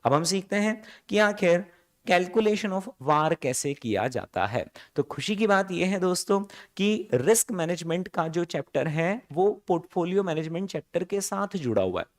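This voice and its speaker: A man's voice: high voice, lively intonation. A man with an Indian accent teaching finance in a revision lecture, mixing Hindi and English and asking his students questions as he goes. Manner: slows down to stress key phrases.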